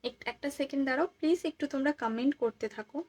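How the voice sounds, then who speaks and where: Hoarse woman selling jewellery live. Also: high-pitched, rapid-fire, slight background noise, poor audio. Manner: speaks softly to spare her voice, repeats prices over and over. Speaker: live-stream jewellery seller. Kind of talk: casual live-stream selling chat.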